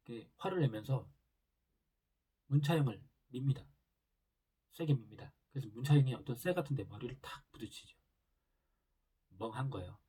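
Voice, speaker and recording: A man walks through a drama's plot in an easygoing recap, stringing scenes together with plenty of filler words. His voice sits in a mid range and sounds husky and dark. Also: mid-range voice. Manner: loose retelling with many fillers. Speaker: drama reviewer.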